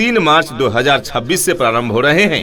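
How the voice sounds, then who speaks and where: Music plays in the background under speech with lively intonation. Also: man. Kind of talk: advertisement voice-over read.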